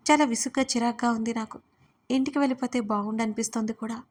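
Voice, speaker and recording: A woman's voice: fairly high pitch, fast talker. A young woman narrating a first-person audio story expressively. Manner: expressive, pleading in dialogue.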